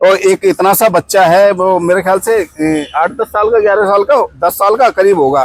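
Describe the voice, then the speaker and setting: A high-pitched man at a moderate pace, with very even loudness and hardly any pauses, in a dry, close sound with no echo. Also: ordinary pitch variation. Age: 60s. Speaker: protest participant. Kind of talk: street interview. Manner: animated.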